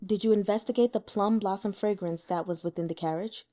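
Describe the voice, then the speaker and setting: A woman voicing a frail, sickly male abbot who speaks coolly and softly in a storybook reading. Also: medium pitch, fairly even intonation, fairly quick, lightly acted. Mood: intent.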